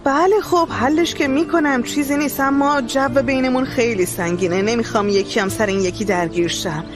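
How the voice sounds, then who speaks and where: A woman playing a firm yet uneasy woman in charge, with a fairly high voice. She sounds troubled as music plays softly beneath her. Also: close to an everyday voice. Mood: worried. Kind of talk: Persian drama dubbing. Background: music score.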